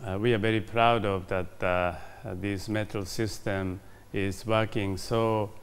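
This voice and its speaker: Man, formal diplomatic interview, very slow and halting, crisp clear voice, lapel mic. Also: on the low side, little pitch movement. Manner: halting, many hesitations and fillers. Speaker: ambassador interviewed. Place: formal reception room, indoors.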